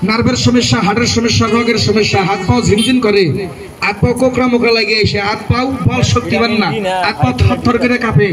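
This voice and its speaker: A man giving a loud street-market sales pitch like a carnival barker, in repetitive, insistent patter aimed at passers-by. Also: little pitch movement, fast talker. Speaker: street medicine seller. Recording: loud music behind the voice. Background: loud music.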